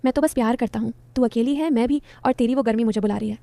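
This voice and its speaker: A woman's voice: a little high, fast talker, gravelly, warm tone, dry recording. A woman voicing a coaxing young stepson. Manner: pleading, suggestive.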